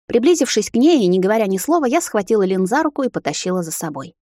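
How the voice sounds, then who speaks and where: Brisk woman reading a fantasy novel. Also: medium pitch, no echo, studio quality. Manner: brisk, expressive storytelling. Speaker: audiobook narrator. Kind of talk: first-person fantasy novel narration.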